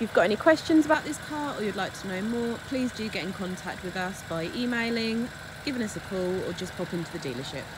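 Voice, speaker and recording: Very fast speech over noticeable background noise, the sound dry with no echo. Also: woman. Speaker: car dealership salesperson. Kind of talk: product walkaround commentary. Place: car.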